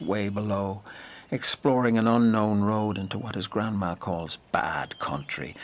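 Guy acting a storyteller for an audio drama, lowish voice, brooding and lyrical, really measured. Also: a little hiss or hum, natural voice. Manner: measured, lyrical, deliberate phrasing. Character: brooding male storyteller of a boy's lonely journey. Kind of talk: literary audio drama narration.

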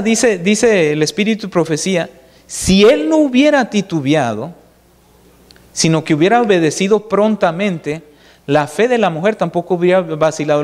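A man with a high voice preaches a sermon in a church. He tells a Bible story with lively acted-out dialogue, and his voice carries a long reverb from the hall.

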